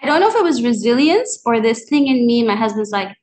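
A woman, a cafe owner, talks from home as a podcast guest, telling her story in a chatty, animated way. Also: on the high side, fast talker, low-quality recording. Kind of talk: conversational interview.

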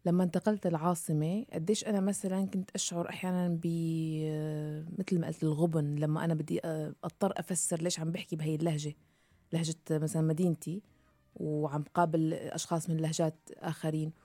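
A woman from Syria with a Syrian Levantine Arabic accent, hosting an interview podcast in quick, chatty conversation. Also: low voice, little pitch movement, warm tone, dry recording. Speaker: podcast host. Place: radio studio.

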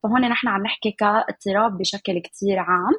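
Fast-talking Levantine woman, slightly husky. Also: mid-range voice, a bit bright, dry recording. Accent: Levantine Arabic. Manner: mixes English words into Arabic. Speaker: guest nutritionist specializing in eating disorders. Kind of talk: conversational expert explanation in an interview.

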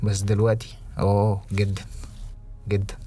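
A young Egyptian man co-hosting a podcast, talking reflectively with halting restarts and English phrases mixed in. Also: on the low side, completely flat delivery, mellow, breathy edge, soft background music. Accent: Egyptian Arabic. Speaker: podcast co-host. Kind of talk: casual podcast conversation.

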